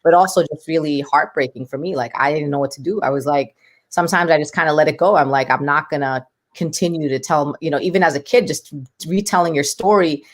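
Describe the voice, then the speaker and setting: Deep-voiced passionate woman. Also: a little fast. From United States. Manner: passionate, emphatic. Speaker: guest. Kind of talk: podcast interview.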